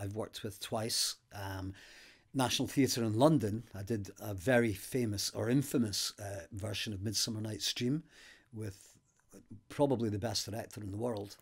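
A man's voice: on the low side, slightly rough. Middle-aged man, light Aberdeen lilt. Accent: light Aberdeen Scottish. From Aberdeen, Scotland. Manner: lively, animated storyteller with gestures and laughs. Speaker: actor. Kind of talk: casual interview answers. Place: home room with bookshelves, indoors.

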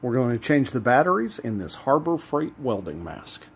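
A man hosting a do-it-yourself channel, explaining a repair step by step in a relaxed, casual way as he works at a bench. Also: mid-range voice, normal speed, over loud music. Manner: relaxed step-by-step explaining while working hands-on. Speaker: DIY channel host. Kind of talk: casual how-to demonstration.

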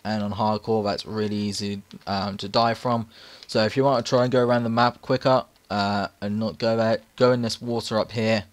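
A hoarse, raspy man narrating casual gameplay tips over footage, rambling with many fillers. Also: fairly low pitch, steady tone, normal speed. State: hoarse from repeated takes. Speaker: gaming channel host.

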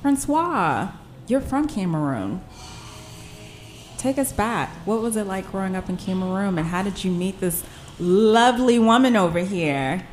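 Bubbly, animated woman podcast host. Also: mid-range voice, soft background music. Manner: bubbly, animated, quick reactions and laughs. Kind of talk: casual interview hosting.

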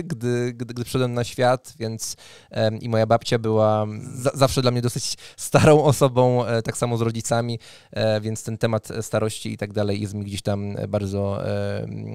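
A man in his thirties hosting a casual podcast, speaking haltingly into a close studio mic. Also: fairly low pitch, fairly even intonation, gravelly, a little mellow, clear, resonant tone, no echo. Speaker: podcast host. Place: indoor home studio room. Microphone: close studio mic on arm.

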